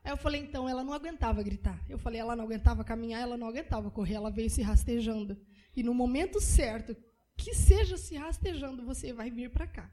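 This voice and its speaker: Young woman, high mellow voice, heartfelt church testimony, repetitive telling. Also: fast, poor audio. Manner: emotional, repetitive storytelling. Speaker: church member giving testimony.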